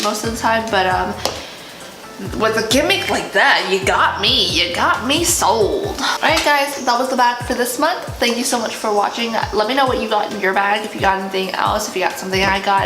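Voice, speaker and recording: A woman chatting casually and excitably as a beauty vlogger, gushing over products while she has hiccups. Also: medium pitch. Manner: talking while having hiccups. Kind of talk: casual product unbagging chat. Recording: roomy echo, music behind. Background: music.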